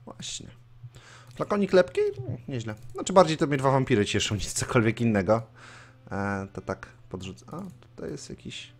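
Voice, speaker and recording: A man's voice: mid-range voice, very animated, moderate pace. A man hosting a let's play, commenting casually on his gameplay and swearing offhandedly. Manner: chatty, swears casually, reads game story aloud.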